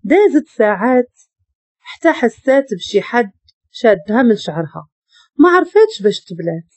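A woman with a Moroccan Arabic accent narrating a dramatic story in an expressive, emotional way. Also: a little high, normal speed, no echo.

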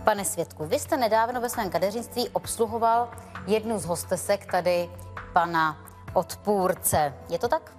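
A woman's voice: medium pitch, soft background music, natural voice. An actress playing a composed female attorney formally questioning a witness in a TV courtroom show. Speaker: lawyer for the petitioner.

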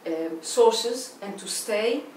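A woman's voice: on the high side, expressive, slow, reverberant. Israeli woman, 40s, interview guest, careful and searching for words, distant mic, faint hiss. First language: Hebrew. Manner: thoughtful, restarts phrases often. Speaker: artist guest. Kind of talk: interview answers. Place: indoor room with plain walls.

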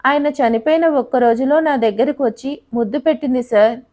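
A woman's voice: high-pitched, fairly quick, darkish tone, natural voice. A woman voicing an arrogant, contemptuous young rich man in an audio story, speaking curtly and scornfully. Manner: curt, scornful.

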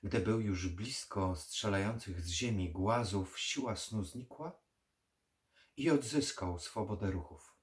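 A man reading a horror novel aloud in a slow, measured, dark manner. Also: fairly low pitch. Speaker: audiobook reader. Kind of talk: horror audiobook narration.

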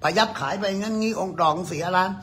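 A man's voice: sits high, quick pace, a bit bright, slight background noise. An older man, an amulet expert, giving a blunt, profane, scolding lecture to his viewers.

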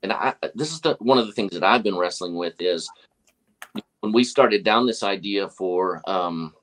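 Earnest low-voiced pastor on a video call. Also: male voice, animated, moderate pace, fairly bright tone, rough recording. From West Texas. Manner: earnest, preachy, many fillers and restarts. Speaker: pastor and guest. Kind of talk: casual video call conversation. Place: office with whiteboard, indoors. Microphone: webcam on video call.

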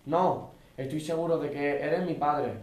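A teenage boy acts out scripted lines. His voice is a touch high, in an echoing classroom. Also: steady tone, a little slow, a little mellow. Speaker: student acting in radio play. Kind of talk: scripted dialogue. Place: school classroom.

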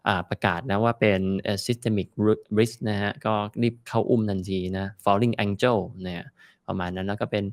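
Chatty low-voiced man explaining finance. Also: no echo, clean studio sound. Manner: chatty, explains with homely comparisons, ends phrases with soft particles. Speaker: finance commentator. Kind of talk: casual market commentary.

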